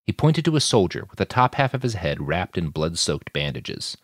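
A man reading scripted audiobook narration in a measured storytelling way. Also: sits low, sing-song, fairly bright tone, dry recording, clean studio sound.

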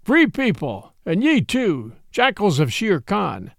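A man's voice: high voice, wildly swooping pitch, creaky, a bit bright, no room sound, studio quality, full character voice. A man voicing an old, weary male wolf leader, proud and dignified, speaking solemnly in a storybook reading. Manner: solemn, measured, old-fashioned speech.

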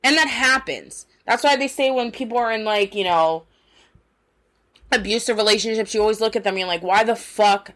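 Podcast host, woman; bright, fairly high voice; blunt, profane, chatty monologue. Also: a little fast. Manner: frank, heavy swearing, many fillers; rhetorical questions to listener. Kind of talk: casual monologue.

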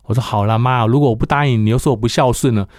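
A man's voice: mid-range voice, steady tone, rapid-fire, darkish tone, no echo, clean studio sound. Middle-aged man telling his faith story. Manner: storytelling that acts out the dialogue of others. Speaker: church member giving testimony. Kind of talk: personal faith testimony.

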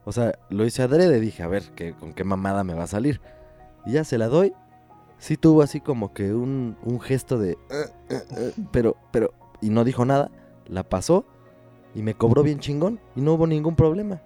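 A man's voice: medium pitch, lively intonation, moderate pace, warm tone, soft background music. A man with a Mexican accent, telling a story in a casual chat, swearing a lot and sounding exasperated. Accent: Mexican Spanish.

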